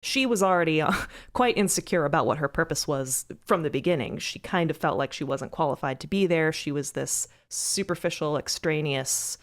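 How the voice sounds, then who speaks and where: Low-voiced woman in reflective podcast chat. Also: moderate pace, few pauses. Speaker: podcast co-creator and panelist. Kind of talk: casual roundtable discussion.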